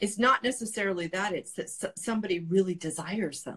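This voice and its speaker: A woman's somewhat breathy, medium-pitched voice with an American accent. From California. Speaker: clinical sexologist, co-host. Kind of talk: casual chat.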